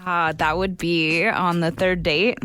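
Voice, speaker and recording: A woman's voice: on the low side, little pitch movement, slow pace, a bit bright, faint music behind. A woman filling in as guest co-host on a radio show, chatting playfully. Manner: playful, laughing banter. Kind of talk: casual radio chat.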